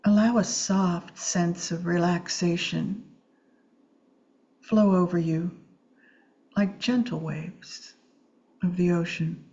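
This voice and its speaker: A woman with a dark, very mellow voice leads a guided meditation. She speaks gently and soothingly, leaving long, unhurried pauses between short phrases. The recording is slightly dull and muffled. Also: on the low side, steady tone. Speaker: meditation teacher. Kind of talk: guided Yoga Nidra meditation.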